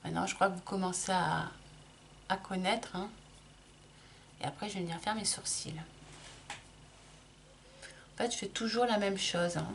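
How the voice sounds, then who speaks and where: Middle-aged woman, makeup tutorial, casual chat, gravelly voice, faint background hiss. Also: mid-range voice, steady tone, unhurried, pauses often. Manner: chatty, explains while applying, frequent restarts and fillers. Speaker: makeup vlogger.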